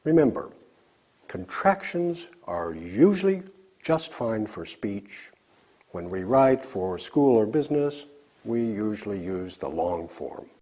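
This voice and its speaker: A man leads a recorded English lesson, drilling short example sentences at a slow, deliberate pace. His pitch moves a lot as he models the phrases for learners to repeat. His voice is mellow and a little husky. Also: sing-song. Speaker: English teacher.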